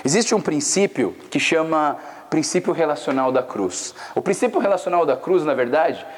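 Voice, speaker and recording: A young man from Brazil preaches to a youth camp in a loose, storytelling way full of slang. His voice sits a bit high. The sound rings with the long reverb of a large hall. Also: expressive, normal speed. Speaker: pastor.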